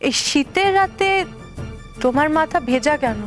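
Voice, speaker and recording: An actress playing an inquisitive, suspicious household woman, questioning deliberately in a television serial. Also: high-pitched, lively intonation, over music. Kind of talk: television serial drama acting.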